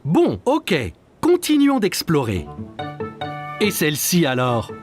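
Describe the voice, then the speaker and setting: A man's voice: high-pitched, huge pitch swings, slow, faint music behind, exaggerated voice. A man voicing a patient, encouraging father in a cartoon, reassuring and kind. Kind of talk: cartoon dubbing.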